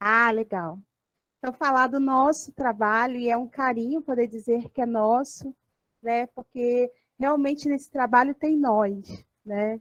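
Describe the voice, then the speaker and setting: A high-pitched female voice in a Rio de Janeiro accent, with ordinary pitch variation, dry and close with no echo, over a quiet background. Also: fairly slow pace. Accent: Rio de Janeiro (carioca). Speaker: social worker, graduate researcher. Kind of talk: video call discussion.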